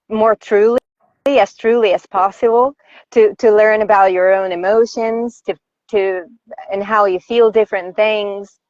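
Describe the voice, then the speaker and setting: A woman's voice: mid-range voice, dry recording, lo-fi sound. A woman from Brazil, a voice actor, answering interview questions in a thoughtful, easy-going way. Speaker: voice actor guest. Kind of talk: live online interview.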